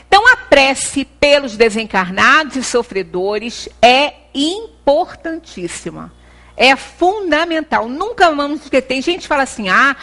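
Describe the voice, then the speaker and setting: A middle-aged Brazilian woman speaks to a small audience with a high, bright voice. She is earnest and halting, breaking off and restarting her phrases. The sound comes from a camera across an indoor meeting room. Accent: Brazilian Portuguese. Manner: earnest, gesturing, many pauses and restarts. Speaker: lecturer at a spiritist center. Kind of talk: devotional talk. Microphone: far camera.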